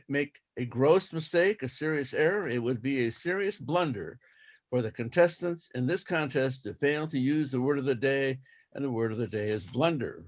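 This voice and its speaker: A man acting as toastmaster of a speech contest, explaining rules methodically and repeating himself deliberately. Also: medium pitch.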